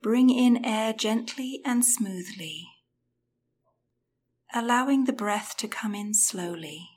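A woman leads a guided breathing meditation at an unhurried, drawn-out pace. Her voice is soft and soothing and often slips into a whisper. A faint hiss of noise sits under the recording. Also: on the high side.

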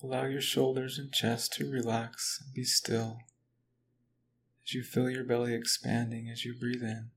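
Calm man with a flat, even voice. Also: medium pitch, a little hiss or hum. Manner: slow, calm, even instruction. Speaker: relaxation guide. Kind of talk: guided relaxation script.

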